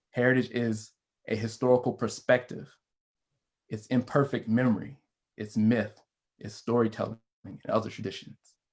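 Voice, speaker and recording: A man with a Virginia accent at medium pitch, moderate pace and fairly even intonation, with big swings in loudness and long, frequent pauses. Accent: Virginia Southern US. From rural South Central Virginia (Farmville). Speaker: public historian. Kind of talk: panel talk with prepared notes. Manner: hesitant, with frequent fillers.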